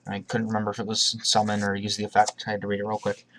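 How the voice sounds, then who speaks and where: A man's voice: on the low side, monotone, rapid-fire, a bit bright, slight background noise. A man presenting a card deck profile in a casual, rambling way, with frequent restarts and a cough drop in his mouth. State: has a cough, talking around a cough drop.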